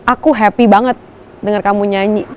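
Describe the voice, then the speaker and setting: A woman's voice: mid-range voice, steady tone, fairly quick, slight background noise, voice pushed down, lightly acted. A woman voicing a gushing, dreamy female talent-show judge who talks effusively. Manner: effusive and breathless.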